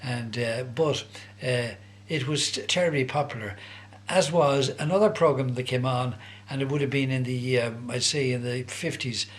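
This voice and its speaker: An older man speaks in a Dublin accent at a middling pitch. He reminisces casually, like an interviewee in no rush, often hesitating and searching for the right word as he goes. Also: steady tone, normal speed. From Dublin, Ireland. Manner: hesitant, conversational, searching for words. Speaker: interviewee recalling his youth.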